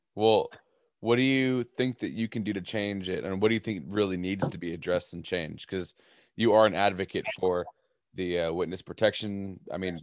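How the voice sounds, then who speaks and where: Speaking at a moderate pace, a man with an American accent uses a fairly low pitch with ordinary pitch variation. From California. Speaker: podcast host. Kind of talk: casual interview.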